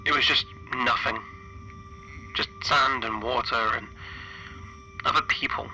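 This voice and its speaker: A stranded spaceship engineer, acted by a man, weary and grieving as he records a horror game log. His voice is very bright and tense, with a flat, narrow pitch. He speaks haltingly, leaving heavy pauses, over a faintly noisy radio-like recording. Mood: wistful, bitter. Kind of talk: in-character audio log for a solo horror tabletop game.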